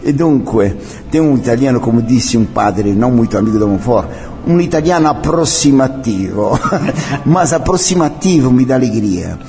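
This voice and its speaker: A man's voice: medium pitch, expressive, normal speed, mellow, faint music behind. An older man from Brazil, head of a Catholic association, speaking in a solemn, declamatory way during an interview. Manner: solemn, declamatory, mixing in French and Italian phrases. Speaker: president of a Catholic cultural association. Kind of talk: interview, personal reminiscence.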